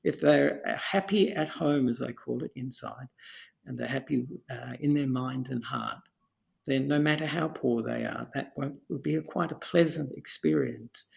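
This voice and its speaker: An Australian Buddhist monk in his seventies, giving an unhurried teaching talk as a podcast guest, rambling and repeating phrases with soft chuckles. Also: mid-range voice, gravelly, lo-fi sound. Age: 70s.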